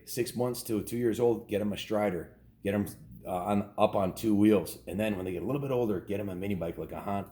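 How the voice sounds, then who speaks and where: A man's voice: lowish voice, warm tone, reverberant. A man reading a children's story aloud in an informal, homespun way, stumbling and correcting himself with casual asides.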